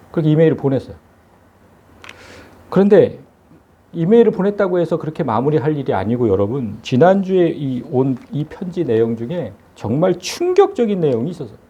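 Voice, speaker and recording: A man's voice: fairly high pitch, dark tone, breathy edge, muffled recording. A man preaching a sermon as pastor, emphatic and full of rhetorical questions.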